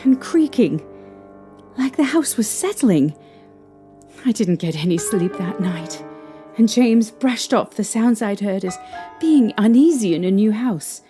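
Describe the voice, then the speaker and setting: A woman playing a young mother shaken by strange happenings, recalling them in a halting, hesitant way. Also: medium pitch, animated, mellow, natural voice. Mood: uneasy. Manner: hesitant, halting recollection with restarts. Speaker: interviewee recounting events. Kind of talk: fan audio drama acting. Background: faint music.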